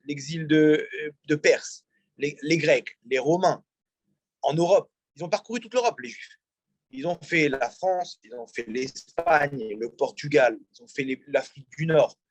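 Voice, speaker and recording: A rabbi with a slightly high voice teaches a religious class, putting questions to his audience as he explains. The lecture is picked up by an in-room microphone and also streamed over a video call, and the recording sounds dry.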